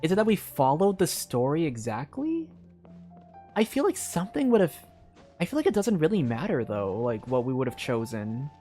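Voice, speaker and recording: Video game streamer, middle pitch. Casual, hesitant, rambling think-aloud commentary with faint game music underneath. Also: sing-song, moderate pace, dark tone. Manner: hesitant, rambling, filler-heavy musing.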